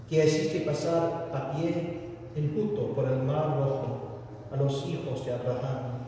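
A man, a priest, solemnly reciting liturgical prayers in a formal, measured way, his voice echoing as in a cathedral. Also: mid-range voice, warm tone. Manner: formal, measured reading with occasional stumbles. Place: large church interior. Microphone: distant camera recording. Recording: cathedral-like echo, distant mic, noisy room.

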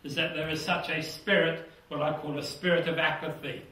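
Slightly high, slightly quick and fairly flat in pitch, an older man with a British accent preaches fervently and reads scripture in a small church hall. He's earnest, and his voice drops to a hush as phrases end. The echoey sound comes through a lapel mic placed somewhat far off.

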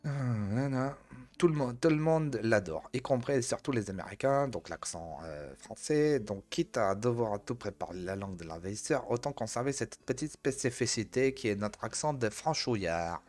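A man's voice: medium pitch, lively intonation, moderate pace, a little mellow. A man reading an article aloud as host, breaking off to joke at the guest.

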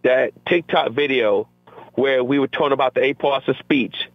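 A middle-aged man talks as a teacher guest on a call-in interview, lively and acting out the voices of his students and himself. His voice comes through a narrow, tinny phone line. There is no room echo at all. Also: mid-range voice, normal speed, vocal fry, soft background music. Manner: energetic, acts out quotes from classroom exchanges. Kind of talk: conversational interview.

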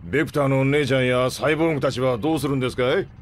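An actor playing a gruff middle-aged ship captain and former soldier, gravelly and rough-spoken, in an audio drama. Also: male voice, mid-range voice, very fast, slight background noise, natural voice. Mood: probing. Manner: rough, salty speech. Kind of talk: Japanese audio drama acting. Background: background music.

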